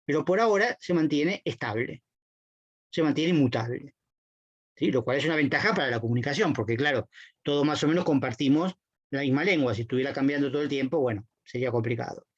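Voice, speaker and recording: A man's voice: mid-range voice, fast, husky, dry recording. A man giving a university semiotics lecture, explaining patiently and often checking in with his students. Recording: dull dry lo-fi recording.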